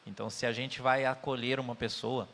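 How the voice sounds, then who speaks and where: A man's voice: mid-range voice, flat delivery, brisk, creaky, a bit bright, a little hiss or hum. A man with a Brazilian Portuguese accent giving an earnest spiritist talk, telling stories with quoted dialogue. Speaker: spiritist lecturer. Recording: reverberant hall.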